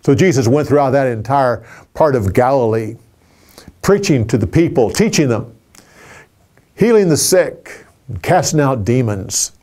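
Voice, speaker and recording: A man in his sixties telling a Bible story from memory in a studio, animated and expressive, with small restarts. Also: medium pitch, unhurried. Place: indoor studio with a curtain backdrop.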